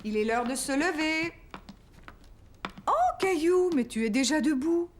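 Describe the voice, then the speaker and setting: A woman's voice: high voice, animated, unhurried, heavy background noise. A woman voicing a patient, caring mother in a cartoon dub, talking in a soothing, motherly way. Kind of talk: French cartoon dubbing.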